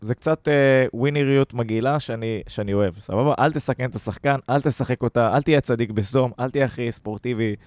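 A man's voice: medium pitch, hardly any pauses, darkish tone, no room sound. Guy hosting a laid-back football fan show, mid voice, dry room. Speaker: podcast host. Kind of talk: casual football fan chat.

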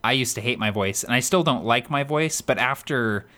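A man with a high voice, co-hosting a podcast in casual chat, talkative and laughing often with lots of fillers. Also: normal speed, bright, forceful tone. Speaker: podcast co-host.

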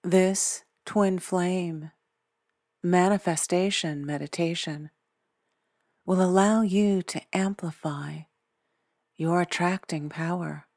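A woman leading a guided meditation in a soothing, deliberate way, pausing often between short phrases. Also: fairly low pitch, steady tone, no echo, studio quality. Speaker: meditation guide, podcast host. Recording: background music. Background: soft instrumental music.

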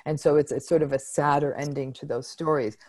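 Low-voiced woman, frank psychologist guest. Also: fairly quick. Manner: articulate, frank, lively emphasis. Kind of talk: interview answer.

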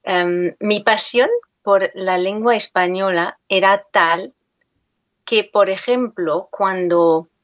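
Slow-spoken woman, Spanish speaker. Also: medium pitch, no room sound, dull audio. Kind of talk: conversational interview about personal experience.

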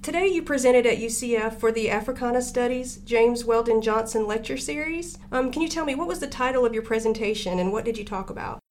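A woman hosting a history podcast, reading a clear, polite scripted intro and asking interview questions. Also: on the high side, a little fast, hardly any pauses, a little mellow, a little hiss or hum. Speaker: podcast host.

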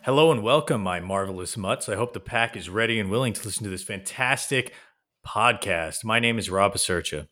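A man's voice: on the low side, expressive, brisk, bright, forceful tone. A man co-hosting a casual podcast, rambling along with fillers and swearing, recorded at home in a new apartment with roomy reverb. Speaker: podcast co-host. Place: new apartment, setup not finished. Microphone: home podcast mic under a blanket tent.

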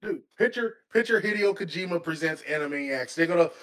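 A man in his late thirties in a casual group chat with friends, excitable and quick to exclaim. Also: fairly high pitch. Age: 30s.

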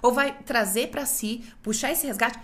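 A woman with a Brazilian accent hosting a podcast, telling stories in an expressive, emphatic, casual way. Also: a little high, normal speed. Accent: Brazilian Portuguese. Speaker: podcast host. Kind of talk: casual chat.

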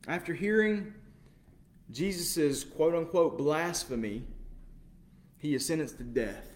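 A man preaching a sermon with passion, moving between quiet, measured passages and loud, incredulous outbursts. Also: fairly high pitch. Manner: impassioned, swings from quiet to loud exclamation.

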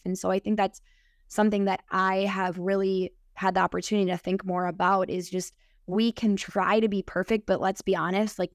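Podcast guest, woman, early 30s. American Midwest accent, smooth clear voice, earnest conversational delivery, dry close sound. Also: medium pitch, no room sound. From Minnesota, United States. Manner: earnest, filler-heavy with frequent "like". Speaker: podcast guest, sober group leader. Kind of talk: casual personal reflection in conversation.

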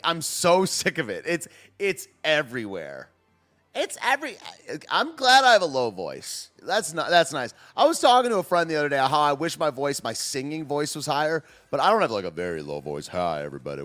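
A man's voice: a little high, fairly bright tone. A man with a slight lisp hosting a casual reaction stream, rambling and scoffing, peppering his talk with "dude" and "man". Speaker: streamer host.

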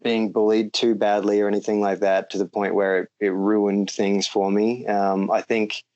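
Laid-back Australian man, low voice. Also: moderate pace, highs cut off. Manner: relaxed, rambling with many ums, laughs easily. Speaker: guest. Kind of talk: casual podcast interview.

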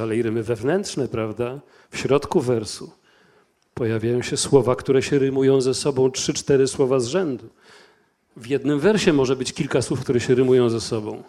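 A man's voice: medium pitch, steady tone, moderate pace, mellow. A man, a translator on a discussion panel, answering questions thoughtfully with restarts and fillers.

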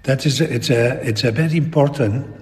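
A very old man with a Spanish accent, talking reflectively in an interview in halting, broken English with repeated words. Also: mid-range voice, darkish tone. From Spain. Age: elderly. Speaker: painter being interviewed. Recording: long echoing reverb in a hall.

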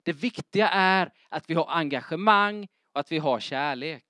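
A middle-aged man preaching a sermon in church, lively and emphatic, often asking his congregation if they are following. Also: on the high side, dry recording, clean studio sound. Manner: keeps checking in with the congregation with questions. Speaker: pastor.

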